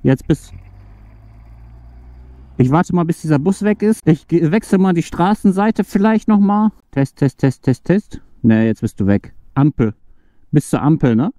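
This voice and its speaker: A man chats casually while he rides along a street, talking to a partner over an intercom. His voice is mellow and sits a little high, and the sound is dry and close. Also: animated, unhurried, no echo. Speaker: channel host testing an intercom. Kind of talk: casual on-the-road test commentary. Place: outdoors on a street, riding.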